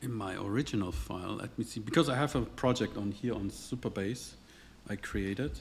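A man's voice: fairly low pitch, normal speed, creaky, a little hiss or hum. A man answering audience questions at a tech meetup, hesitant, with many restarts and hedges. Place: meetup venue, indoors, standing at a lectern.

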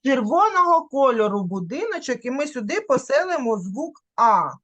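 A woman teaching a young child to read over a video call, her voice high and full of swooping, lively melody. She demonstrates each vowel by drawing it out, then nudges the child along with patient little questions. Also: normal speed. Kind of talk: online literacy lesson for a young child.

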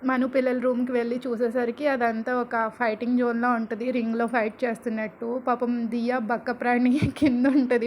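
A woman's voice: a little high, slight background noise. A woman reading a serial story aloud, raising her voice for the characters' lines. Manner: animated, voices rising and louder for characters' lines.

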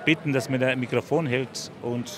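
A man's voice: mid-range voice, fairly even intonation, normal speed. Middle-aged man, crowd behind. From Bosnia and Herzegovina. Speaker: musician. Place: outdoor street festival. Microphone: handheld mic.

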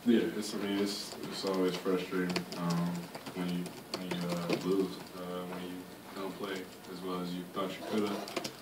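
A man's voice: low voice, level tone, normal speed, few pauses. A young male college basketball player answering press questions hesitantly, with many fillers. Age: young adult. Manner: hesitant, many ums and uhs. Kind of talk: postgame press conference answers. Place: arena press room. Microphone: table mic, far camera. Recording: echoey room, distant mic, loud noise.

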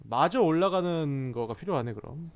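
A man's voice: fairly high pitch, lively intonation, normal speed. A man giving casual let's-play commentary as a gaming streamer, joking and bantering with the characters on screen, recorded on a dull lo-fi mic.

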